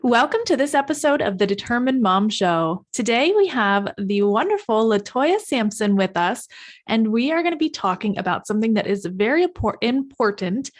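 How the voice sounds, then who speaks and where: A woman's voice: fairly high pitch, expressive, moderate pace. A woman hosting an interview podcast, upbeat and encouraging toward her guest. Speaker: podcast host.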